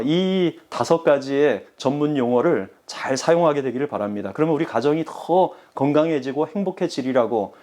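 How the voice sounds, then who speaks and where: A man's voice: mid-range voice, a little mellow. A man preaching a sermon as pastor, speaking earnestly and addressing the congregation directly.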